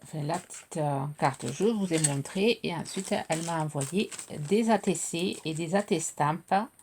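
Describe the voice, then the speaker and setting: Low, gravelly-voiced woman showing crafts. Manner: hesitant, many "euh" fillers, chatty. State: voice cracking a little. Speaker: craft video host. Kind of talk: casual show-and-tell of mail.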